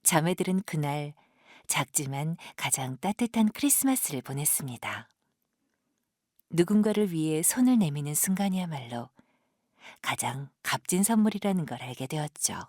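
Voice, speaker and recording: A woman narrating an audio drama like a storyteller, gentle and measured, with breathy sentence endings. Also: sits low, animated, dry recording, studio quality. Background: music.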